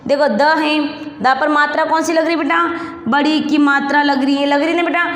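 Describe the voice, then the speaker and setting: A woman teaching young children, drilling syllables slowly and asking the same questions again and again. She stretches out each word as she calls it. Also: sits high, fairly even intonation. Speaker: primary school teacher. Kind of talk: slow classroom drilling of syllables and words. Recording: echoey room with long reverb.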